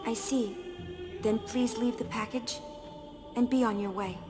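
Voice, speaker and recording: A woman acting a reserved young priestess in a radio drama. Her fairly high voice is formal and measured, carried in long reverb with music behind it. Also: fairly even intonation, lightly acted.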